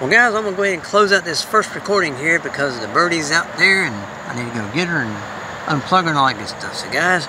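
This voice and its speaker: Over noticeable background noise, a man with a high voice speaks at a very fast pace in a dry recording with no echo. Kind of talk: casual vlog chat. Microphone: phone near.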